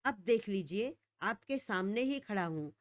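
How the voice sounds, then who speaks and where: A woman's voice: mid-range voice, lively intonation, a little slow, no echo, studio quality, lightly acted. A woman voicing an arrogant, protective young husband who speaks curtly and sternly. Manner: curt and stern.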